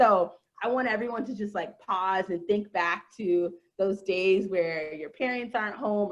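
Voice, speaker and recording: Her pitch in the middle range, a woman speaks with ordinary pitch variation. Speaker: tech event organizer and keynote speaker. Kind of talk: keynote talk. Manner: fast.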